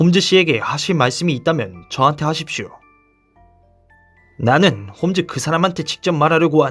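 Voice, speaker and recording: Background music behind a man, fairly high-pitched and moderate in pace. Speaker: audiobook narrator. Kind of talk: audiobook reading of a classic detective novel.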